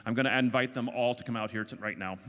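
A man's voice: mid-range voice, fast talker, fairly bright tone. Middle-aged man hosting in an echoey hall. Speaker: international student advisor, event host. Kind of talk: public stage announcements. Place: large auditorium stage. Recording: echoey hall with audience noise.

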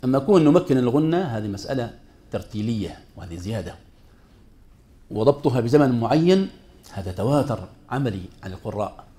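A man's voice: medium pitch, animated, fairly quick, warm tone. A man teaching a class on Quran recitation rules, speaking emphatically and putting rhetorical questions to his students. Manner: mixes formal Arabic with colloquial asides.

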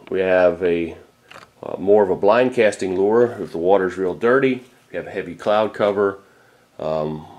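A middle-aged man with a deep, low voice walks through his gear in a casual how-to style. He talks plainly and practically, with a fair number of uh's along the way. He sounds like the experienced fishing guide that he is. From Florida. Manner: plain, practical, with frequent uh fillers. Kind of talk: casual instructional talk.

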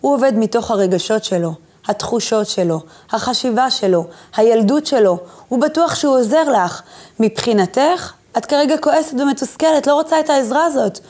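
A woman giving a motivational lecture on self-image. She speaks directly to the viewer and leads her through breathing exercises with gentle instructions. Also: on the high side.

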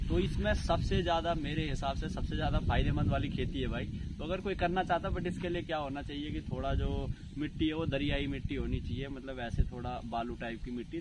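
A man vlogging outdoors by the sea and in a coconut grove, chatting excitedly to his viewers in a casual way and calling them brother. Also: fairly high pitch. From Indian hill region. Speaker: travel vlogger. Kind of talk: casual vlog narration to camera. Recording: noisy outdoor camera audio.

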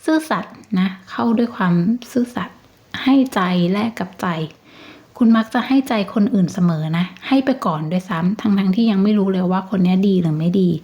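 A woman giving a casual tarot reading, talking in a gentle, chatty and reassuring way. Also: mid-range voice, fairly quick. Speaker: tarot reader.

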